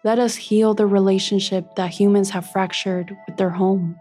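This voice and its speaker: A woman's voice: medium pitch, steady tone, moderate pace, mellow, faint music behind, lightly acted. A woman playing Maíz, a wise eldest sister of corn, in a solemn, lyrical audio fiction narration. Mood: solemn, tender.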